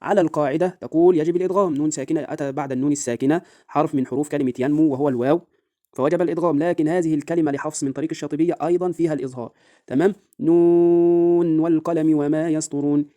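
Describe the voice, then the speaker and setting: A man's voice: on the high side, dark tone, dry recording. Egyptian man teaching Quran recitation, dry sound. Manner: checks in with a repeated rhetorical "right?"; slows to a drawn-out chant for recited examples. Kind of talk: tajweed lesson with recited examples.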